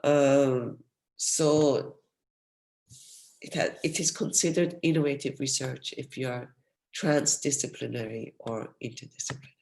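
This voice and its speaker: Woman lecturer, gravelly fry, losing her voice, video call seminar. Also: very deep voice, measured pace. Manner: explanatory, steady, apologetic when interrupted. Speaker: professor giving a research seminar. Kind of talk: academic lecture.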